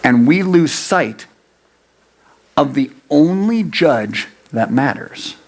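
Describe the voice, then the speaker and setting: A young man preaching a youth sermon, animated, acting out the inner voices of his listeners. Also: fairly high pitch, takes it slowly. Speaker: youth pastor.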